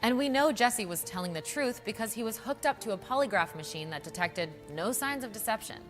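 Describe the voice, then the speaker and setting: A woman's voice: a little high, lively intonation, a little fast, fairly bright tone, long reverb tail. A woman hosting and narrating a scripted true crime documentary in a conversational way, with emphatic asides. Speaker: true crime show host. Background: background music.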